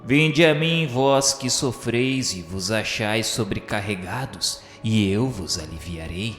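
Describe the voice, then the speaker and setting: A Brazilian man delivers solemn literary narration at a slow, deliberate pace. His declamation is formal and grandiloquent, in the manner of a religious radio novel. The voice rings with echo and long reverb over music. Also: fairly low pitch, lively intonation, fairly bright tone.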